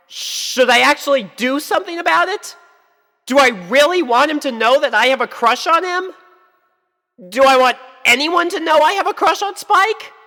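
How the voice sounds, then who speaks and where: A woman's voice: high voice, a bit bright, long reverb tail, pitched above the performer's own voice. A woman voicing an anxious, lovestruck young pony filly, speaking in an earnest, hesitant and emotional way.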